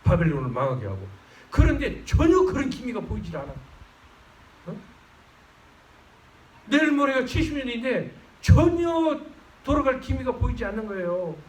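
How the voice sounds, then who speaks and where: Pastor, male, high animated delivery, fervent; roomy church sound, mic at a distance. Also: normal speed, pauses often. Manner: fervent preaching, swells loud on exclamations. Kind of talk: sermon. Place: church sanctuary.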